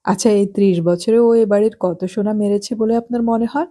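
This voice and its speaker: A woman voicing a nosy, gossipy well-off married woman in an audiobook, chatty and sharp-tongued. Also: medium pitch, steady tone, normal speed, natural voice. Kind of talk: audiobook character voice.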